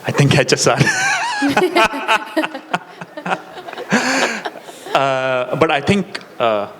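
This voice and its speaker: A man's voice: medium pitch, moderate pace. A man from Karnataka with a South Indian accent, answering interview questions on stage in a hesitant, thinking-aloud way. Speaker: symposium panelist. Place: large indoor hall with audience. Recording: echoey hall, noisy room sound.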